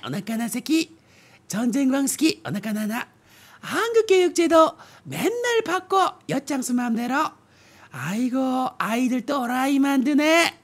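A man's voice: extremely high pitch, a bit bright, pitched above the performer's own voice, heavily acted. A man voicing a mock foreign correspondent who scolds and laments in fake foreign gibberish. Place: small room with fish tank, indoors.

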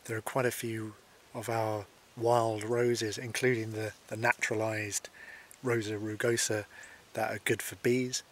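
A man in his forties from Scotland, calmly explaining wild plants as a foraging instructor, speaking to camera outdoors by hedges. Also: lowish voice. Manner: calm, explanatory, unhurried. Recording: faint outdoor noise.

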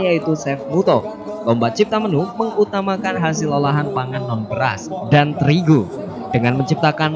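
Young male newsreader, steady formal delivery, slightly high voice, muffled sound, crowd noise behind. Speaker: news presenter and reporter. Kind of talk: read news narration.

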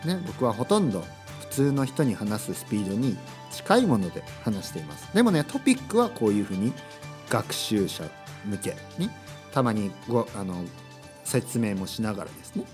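Lively chatty man hosting a podcast. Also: lowish voice, normal speed, faint music behind. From Kyushu, Japan. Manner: chatty, repeats phrases, acts out short dialogues. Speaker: podcast host teaching Japanese. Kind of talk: casual solo podcast talk.

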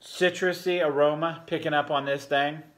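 A man in his forties gives a relaxed, rambling beer review full of fillers, talking at a table in a home bar room. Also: on the high side, normal speed. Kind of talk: casual beer review vlog. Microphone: fixed camera at a table.

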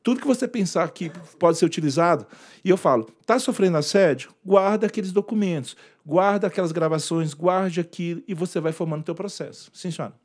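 A man's voice: sits high, a little fast, a little mellow. A man giving an informal lecture on workplace harassment law, acting out quoted dialogue and pointing to slides. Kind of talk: informal presentation to an audience.

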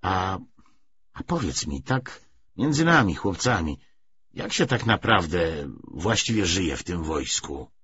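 A man's voice: sits low, sing-song, slow pace, fairly bright tone, slightly rough, muffled recording, heavily acted. A man voicing an eager, curious young man with a questioning, earnest manner in an audiobook. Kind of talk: acted audiobook dialogue.

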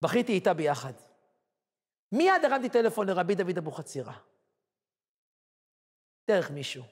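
A man's voice: sits high, sing-song, breathy edge. A man, a rabbi, telling a story in a sermon with short, punchy phrases. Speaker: rabbi and lecturer. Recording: long hall reverb.

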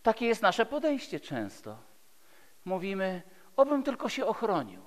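Speaking at normal speed, this Polish man in his fifties has a high-sitting voice with wildly swooping pitch. His sermon is rhetorical and emphatic, full of repeated phrases and dramatic loud-to-hushed swings, given from a pulpit in a large church hall whose echo leaves a long reverb.

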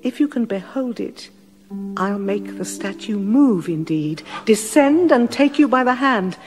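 A loyal, commanding older noblewoman, calling forth a wonder in solemn, incantatory verse. She speaks slowly, her voice carrying a long hall reverb over faint music. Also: a little high, expressive, a little mellow. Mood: firm. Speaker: actress playing Paulina. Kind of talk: classical stage acting, audio drama.

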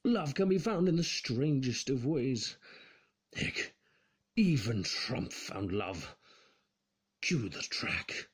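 Man playing storybook narrator, husky, unhurried, wry, theatrical, tongue-in-cheek. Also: mid-range voice, sing-song, full character voice.

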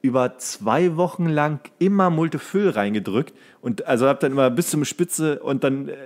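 A man's voice: medium pitch, lively intonation. Man rambling through a casual story. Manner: halting, self-correcting storytelling. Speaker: podcast host. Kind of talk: casual chat, rambling anecdote.

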